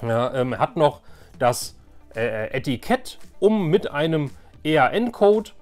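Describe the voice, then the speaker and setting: A man's voice: fairly high pitch, sing-song, takes it slowly, a little mellow, soft background music. A man chatting casually and enthusiastically to viewers as he hosts a collecting video, often repeating words for emphasis. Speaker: host of a toy collecting video channel.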